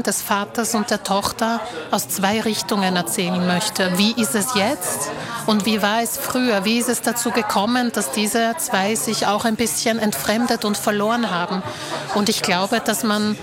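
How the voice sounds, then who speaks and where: A woman author born in Slovakia, native Slovak speaker, answering interview questions in a measured, reflective way. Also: mid-range voice.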